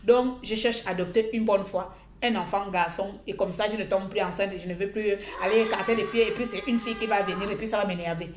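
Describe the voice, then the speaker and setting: A woman vlogger giving blunt, humorous advice in a casual monologue, telling stories with animated energy. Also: medium pitch, quick pace, a little hiss or hum. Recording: echoey room.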